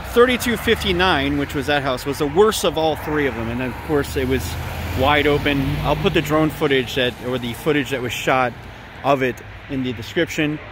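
A man records a casual walking vlog outdoors on a city street, speaking into a handheld phone. His voice sits at an ordinary middle pitch, and he rambles with frequent ums and false starts. Faint street noise hums in the background. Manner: rambling, many ums and restarts. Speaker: local vlogger reporting on abandoned houses. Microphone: handheld phone camera.

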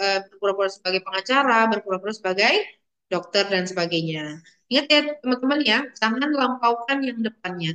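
A young woman teaches a language class online, with a voice a little higher than most women's. She is chatty and playful and keeps calling on her students by name as she explains the grammar. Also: a bit bright.

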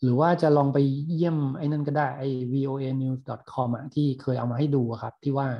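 A man with a husky, slightly breathy voice teaches a recorded online class. He explains words patiently and pauses to gloss them. The recording sounds dull and lo-fi. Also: medium pitch. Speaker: university lecturer.

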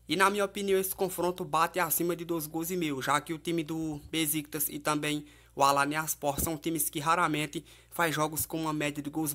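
A man's voice: fairly high pitch, fairly bright tone. Brazilian man giving football tips. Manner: conversational, frequent tag questions. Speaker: football betting tipster. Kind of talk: informal match preview and betting tips commentary.

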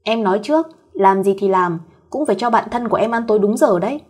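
A woman's voice: mid-range voice, animated, quick pace, a little mellow, slightly rough. A woman voicing a cheeky, teasing, protective young female cousin in a fireside storyteller's audio tale. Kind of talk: acted dialogue in an audio story.

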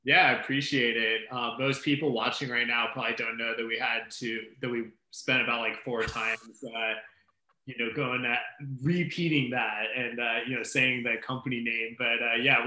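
A man in his thirties talks as a guest on a laptop video call, relaxed and friendly, often pausing on "uh". His voice is very bright and sits at a middle pitch. The small room around him is echoey. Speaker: guest, company CEO. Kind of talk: casual video-call interview.

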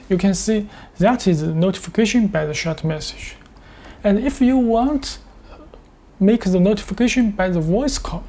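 A man demonstrates a product step by step in halting English. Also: high voice, warm tone. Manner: step-by-step, halting non-native English phrasing. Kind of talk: screen-share tutorial with live demonstration.

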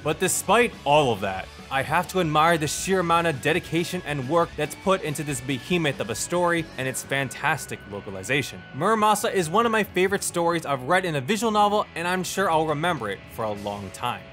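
A man's voice: on the high side, sing-song, fairly quick, hardly any pauses, a bit bright. A man narrating a scripted video game review with dramatic, emphatic phrasing and wry, casual asides. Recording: voice-over with music behind. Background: background music.

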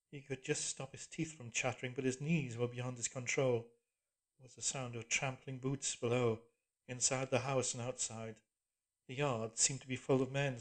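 A man with a mid-pitched voice reads literary fiction aloud. His delivery is scripted, measured and solemn, as an audiobook narrator.

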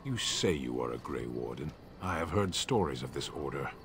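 A man playing a stern, blunt giant warrior in a fantasy video game, terse and deadpan. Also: rumbling low, normal speed, creaky, noisy background, heavily acted. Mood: cold, unimpressed.

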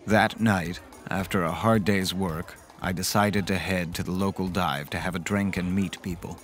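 An actor playing a caring, reflective man who recounts eerie events in measured, dramatic first-person horror narration. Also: sits low, steady tone, lightly acted. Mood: uneasy, reflective. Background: music underneath.

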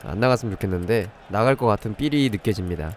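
A man's voice: lowish voice, fast, darkish tone, slight background noise. A man hosting a live game stream, explaining things step by step while chatting with viewers. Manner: demonstrates step by step while breaking off to address viewers. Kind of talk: live gaming commentary and review, chatting with viewers.

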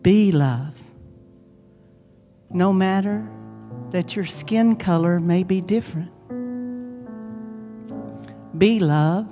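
A woman minister leading a guided meditation in a hushed, soothing, deliberate way, leaving long pauses between short phrases. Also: mid-range voice. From United States. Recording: long reverb, music behind. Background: instrumental meditation music.

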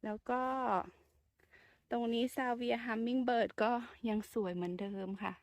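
Soft-spoken woman touring her garden. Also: fairly high pitch, slow pace, dry recording. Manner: chatty, soft-spoken, polite with frequent particles. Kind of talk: casual garden tour vlog. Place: outdoor home garden.

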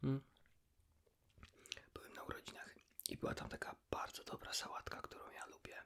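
A man's voice: normal speed, a bit bright. A man whispering a casual ASMR chat, confiding in the listener in an informal storytelling way. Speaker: ASMR video host.

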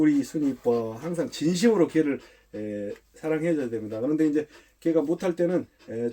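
A man working as a dog trainer, demonstrating training, who mixes short firm commands with calm explanations indoors. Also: fairly high pitch. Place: indoors, a room.

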